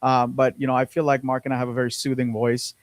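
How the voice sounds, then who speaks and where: A man's voice: medium pitch, flat delivery, fast talker, dry recording. Casual man chatting on a podcast. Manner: rambling, repeats words, many fillers. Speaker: podcast co-host. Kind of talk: casual business podcast chat.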